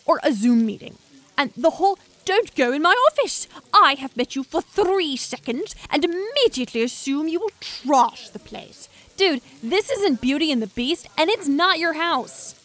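A woman's voice: sits high, animated, moderate pace, a bit bright. An actress playing a brash, sarcastic young woman scientist in an audio drama, slangy, sweary and defensive. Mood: exasperated ranting. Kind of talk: audio drama acting, naturalistic banter.

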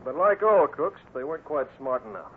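An actor playing a steady, commanding cowboy hero in a radio Western, brisk, decisive and folksy. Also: male voice, on the high side, husky. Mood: triumphant. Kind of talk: 1950s radio Western acting. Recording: noisy, tinny old radio recording.

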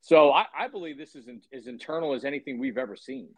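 A man's voice: mid-range voice, no echo. A man in his fifties, a podcast guest on a remote call, talking casually with frequent restarts and repeated words. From Philadelphia area. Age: 50s. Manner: halting, repeats words, opinionated.

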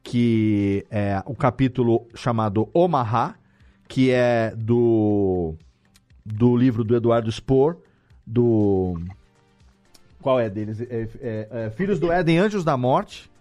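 A man's voice: medium pitch, slow pace, dark tone, soft background music. A man with a Brazilian Portuguese accent hosting a casual podcast, explaining things informally and often repeating words. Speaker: podcast host and audio drama editor.

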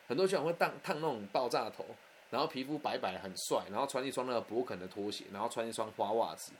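A man telling a personal anecdote in a candid, animated, conversational way. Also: mid-range voice, fast, slight background noise. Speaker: storyteller.

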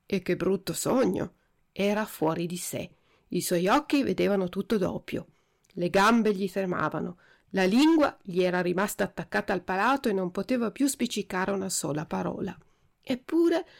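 A woman narrating a storybook with an expressive, steady delivery. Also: medium pitch, creaky. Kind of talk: storybook reading.

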